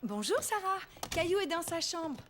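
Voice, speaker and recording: A woman voicing a kind, playful young mother in a children's cartoon, with a gentle manner. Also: very high-pitched, sing-song, moderate pace, slight background noise, heavily acted.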